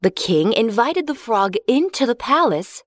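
A woman's voice: a little high, sing-song, unhurried, no room sound, studio quality. Woman reading a children's fairy tale. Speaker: narrator. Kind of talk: storybook narration for children.

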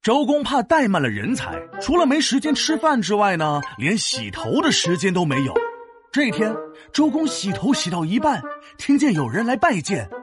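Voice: mid-range voice, wildly swooping pitch, normal speed, over music. An actor playing a boastful, learned five-thousand-year-old dragon who tells stories to children in a theatrical, teasing, explanatory way. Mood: enthusiastic storytelling. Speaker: storyteller and teacher. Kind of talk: animated children's educational audio drama storytelling.

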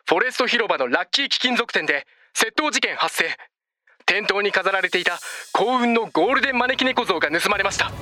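A man plays a police radio dispatcher in a storybook drama. His voice is raised, piercing and very bright, and he announces in clipped phrases. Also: high voice, no echo, clean studio sound, full character voice.

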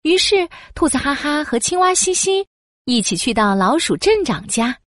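Expressive woman storyteller. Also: sits high, moderate pace. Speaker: narrator. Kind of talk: scripted children's story narration.

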